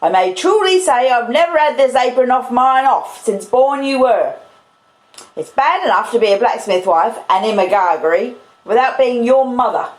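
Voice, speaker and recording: Fierce, high-pitched scolding wife, acted by a woman, echoey. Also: sing-song, normal speed, close to an everyday voice. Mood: aggrieved. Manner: scolding, loud, indignant. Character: fierce, shouty, bullying older sister, blacksmith's wife.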